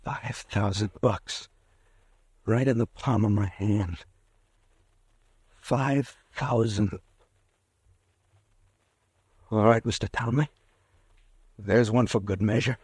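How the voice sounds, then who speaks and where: A man's voice: on the low side, steady tone, takes it slowly, pauses often, a little mellow, breathy edge, dry recording, heavily acted. A man playing a nervous, guilt-ridden pharmacist in an old radio drama, speaking anxiously. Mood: tense, scheming. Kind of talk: 1940s radio drama acting.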